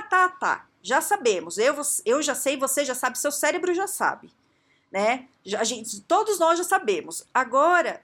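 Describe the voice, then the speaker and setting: A woman coach giving a podcast talk, speaking straight to the listener with quick rhetorical questions. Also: a little high, fairly bright tone. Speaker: coach working with strategy. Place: São Paulo.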